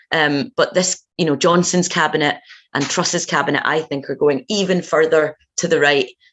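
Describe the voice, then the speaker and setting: In a Glasgow accent, a woman speaks at a moderate pace with a very deep, low pitch and ordinary pitch variation. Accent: Glasgow Scottish. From Scotland, Glasgow. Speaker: anti-racism campaigner. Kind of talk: talk to a meeting. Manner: halting, many fillers.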